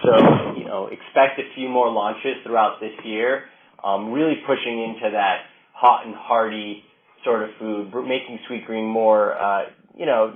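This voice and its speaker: A man speaking as a company executive answering questions on an earnings call, often repeating and restarting his phrases. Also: fairly low pitch. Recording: narrow phone-line sound.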